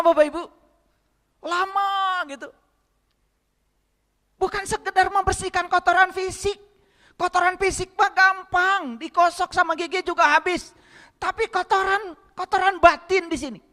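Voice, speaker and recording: A man's voice: extremely high pitch, level tone, normal speed, long pauses, sharp tone, in a large hall. A man giving a spiritual lecture to a congregation, often asking them rhetorical questions and speaking to them directly. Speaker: religious lecturer.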